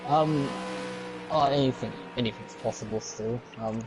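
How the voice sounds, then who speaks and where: A man's voice: mid-range voice, normal speed, noisy background. A man from Tasmania, interviewed after winning, out of breath and hesitant. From Tasmania, Australia. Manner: hesitant, many ums. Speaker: race winner interviewed.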